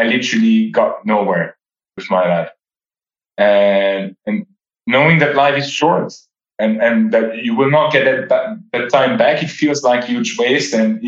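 A man's voice: medium pitch, a bit bright, roomy sound, dull audio. A man in his thirties whose first languages are French and Dutch, giving reflective interview answers and often repeating words while he searches for them. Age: 30s. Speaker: podcast guest.

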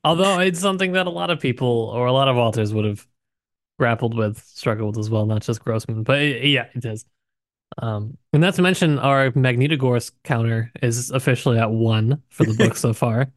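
Male co-host, medium pitch, informal and slightly hesitant conversational delivery, dry room sound. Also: normal speed, dry recording. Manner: informal, hesitant, hedging with asides. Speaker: podcast co-host. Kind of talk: casual book discussion.

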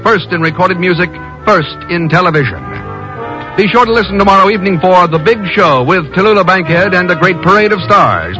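A man with an American accent doing formal, polished, scripted announcing in the style of 1950s radio. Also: sits high. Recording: muffled vintage radio broadcast with music.

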